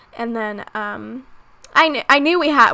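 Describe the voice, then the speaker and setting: Speaking at a fairly slow pace, a woman uses ordinary pitch variation over noticeable background noise. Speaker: gaming video creator. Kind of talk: casual game commentary. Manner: low energy.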